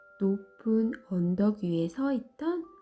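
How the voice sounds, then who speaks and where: Over music in the background, a gentle-toned voice speaks at a very slow pace. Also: woman. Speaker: storyteller. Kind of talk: bedtime story reading. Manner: soft, gentle.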